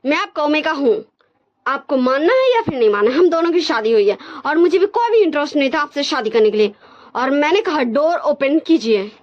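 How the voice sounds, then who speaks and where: Woman doing a high-pitched stammering young husband, tearful, pleading, storybook narration, dull lo-fi sound. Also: moderate pace, long pauses, lightly acted. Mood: firm angry. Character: timid young married man, scared then defiant. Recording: dull lo-fi recording.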